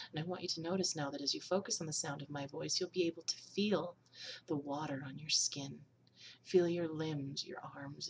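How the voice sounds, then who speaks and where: A woman leading a guided hypnosis session, speaking slowly and soothingly and often sinking into a whisper. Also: low voice, distant mic, slight background noise, low-quality recording. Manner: slow, soothing, drifts into whispers.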